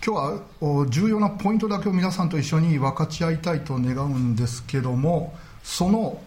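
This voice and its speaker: A man delivering a Sunday sermon, his voice sitting a little high. He speaks earnestly and at a measured pace, filling pauses with small verbal fillers. He slows down deliberately to press home his main points. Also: a little mellow. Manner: measured, earnest preaching with frequent filler words. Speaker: pastor.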